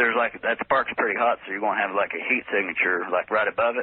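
Speaking with an American accent, a man has a fairly low pitch. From northwest Missouri. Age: 20s. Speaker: amateur inventor. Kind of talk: radio interview. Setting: phone call. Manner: halting.

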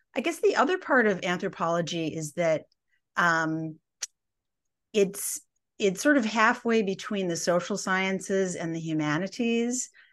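Against a quiet background, a woman with an unremarkable speaking voice speaks fairly slowly at a medium pitch, her intonation lively. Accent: American. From US Midwest, Madison, Wisconsin. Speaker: anthropology professor and author. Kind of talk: interview.

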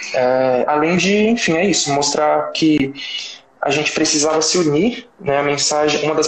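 A man's voice over noticeable background noise. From São Paulo, Brazil (north zone periphery). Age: 20s. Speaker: social sciences student. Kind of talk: casual chat. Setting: Instagram live.

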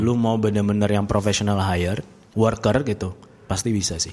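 A man with a fairly low pitch speaks with fairly even intonation. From Surabaya, East Java. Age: 30s. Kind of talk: casual chat.

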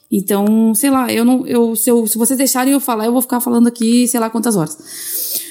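Speaking at a fairly high pitch in a southern Brazilian accent, a woman keeps a moderate pace with hardly any pauses. Her pitch variation is ordinary, and noticeable background noise is present. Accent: southern Brazilian (gaúcho) Portuguese. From Rio Grande do Sul, Brazil (Triunfo, near Porto Alegre). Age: 30s. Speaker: blind musician. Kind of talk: interview. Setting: call.

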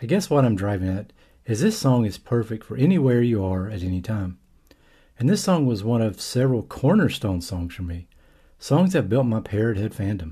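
A man speaks in a medium pitch with a dark, mellow, somewhat breathy tone. His intonation is lively, and the recording is very clean with a silent background. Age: 50s. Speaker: podcast host and author. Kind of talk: solo podcast monologue.

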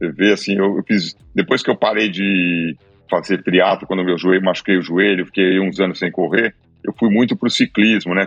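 With music in the background, a man speaks in a very deep, low pitch and fairly even intonation, the sound dry and close with no echo. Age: 50s. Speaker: businessman and triathlete. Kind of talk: casual interview.

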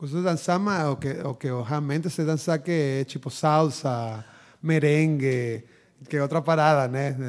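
A man speaks at a fairly slow pace with fairly even intonation and a fairly high pitch, on a very clean recording with a silent background. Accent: Venezuelan. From Venezuela. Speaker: musician. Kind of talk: casual talk-show interview. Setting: TV studio. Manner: halting.

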